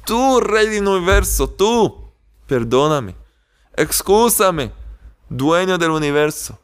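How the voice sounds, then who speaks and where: A man voicing a humble shoemaker who speaks softly and lovingly to his wife. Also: high-pitched, expressive, slow pace, clear, resonant tone. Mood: prayerful. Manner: soft, tender, pleading.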